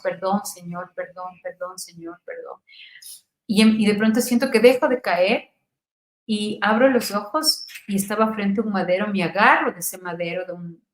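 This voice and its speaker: A middle-aged woman from Ecuador shares an emotional personal testimony. She speaks fervently, climbing to near-shouts and dropping to soft murmurs, at a medium pitch. The room around her is echoey. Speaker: guest giving a testimony.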